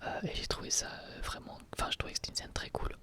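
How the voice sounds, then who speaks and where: An ASMR creator whispering an episode review, hesitant and full of fillers and restarts. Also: fast talker. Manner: soft, breathy whisper throughout.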